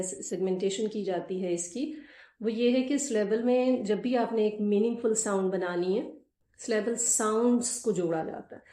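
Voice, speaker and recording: A woman teacher with a Pakistani accent gives a slow, deliberate classroom lesson on English grammar and mixes Urdu with English terms. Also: medium pitch, warm tone, roomy sound.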